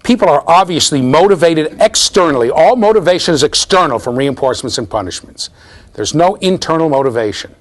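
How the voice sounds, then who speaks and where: A man in his fifties teaches a university class in a bookshelf-lined classroom, his slightly high voice lively in intonation and a little fast. He explains with eagerness and keeps checking in with "okay?" and "right?"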